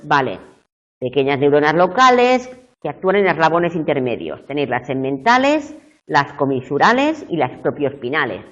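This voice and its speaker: A middle-aged woman giving a university tutorial lecture, explaining step by step and often checking in with her students. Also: lowish voice. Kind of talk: live video tutorial lecture. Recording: muffled lo-fi classroom recording.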